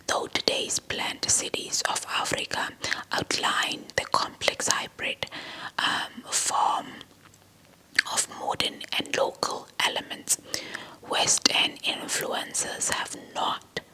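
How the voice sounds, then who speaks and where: A woman reads informational text as a whispered ASMR lecture, using a breathy, fully unvoiced whisper that is slow and crisp with a sharp tone. She speaks deliberately, often repeating words and phrases, and the audio quality is poor.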